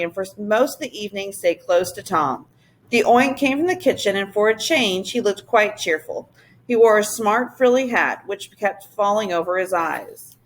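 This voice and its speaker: A woman's voice: mid-range voice, rough recording. Woman teacher reading a storybook aloud. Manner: steady, expressive read-aloud narration. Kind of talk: reading a children's novel aloud.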